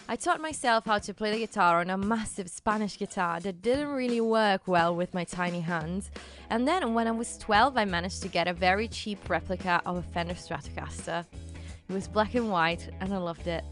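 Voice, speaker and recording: A woman's voice: mid-range voice, a bit bright. A woman hosting a podcast, telling a scripted story in a conversational way and speaking directly to her listeners. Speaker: podcast host. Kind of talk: scripted storytelling narration with personal asides.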